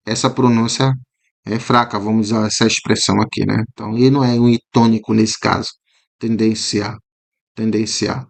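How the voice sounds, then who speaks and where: Brazilian man explaining exam questions. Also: mid-range voice. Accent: Brazilian Portuguese. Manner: explanatory, frequent "né?" tags, repeats words slowly to model pronunciation. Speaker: teacher. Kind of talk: commented exam walkthrough.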